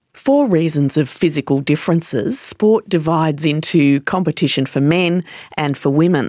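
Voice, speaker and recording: An Australian accent comes through as a woman speaks with a very deep, low pitch and a dark, mellow tone. Her pace is moderate, her loudness very even, her pitch variation ordinary, and the sound dry and close with no echo. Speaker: radio host. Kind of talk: radio interview. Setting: studio.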